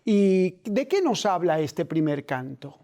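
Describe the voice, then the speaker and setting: A man hosting a Christian TV talk show, asking questions slowly and gently, with some hesitation. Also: sits high, very animated. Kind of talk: Christian TV interview.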